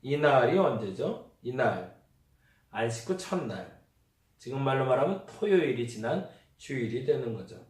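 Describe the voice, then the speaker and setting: A man's voice: mid-range voice, sing-song, moderate pace. A male pastor preaching a conversational sermon, acting out everyday remarks as he goes. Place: church sanctuary. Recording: echoey church hall, mic at a distance.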